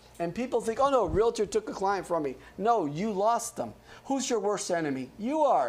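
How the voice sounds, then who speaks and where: Music plays in the background as a man talks at a moderate pace in a high pitch. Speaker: real estate broker teaching realtors. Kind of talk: lecture. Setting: classroom with live audience. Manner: animated.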